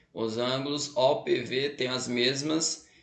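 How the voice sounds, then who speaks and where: Fairly even intonation amid audible room echo. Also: man. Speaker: school math teacher. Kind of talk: lecture.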